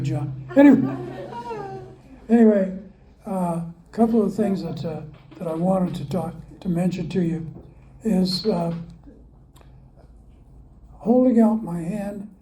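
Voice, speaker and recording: Older man, folksy storyteller, self-mocking, very mellow tone, roomy echo, faint hiss. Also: sits high. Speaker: AA speaker. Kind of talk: recovery meeting talk. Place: club meeting room.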